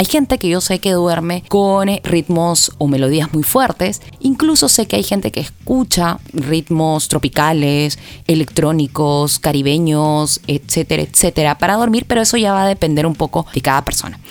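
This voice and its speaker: A soft-spoken woman with a very deep, low pitch, lively intonation, very even loudness and hardly any pauses. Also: moderate pace. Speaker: podcast host. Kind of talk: casual monologue. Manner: sleepy, soft delivery.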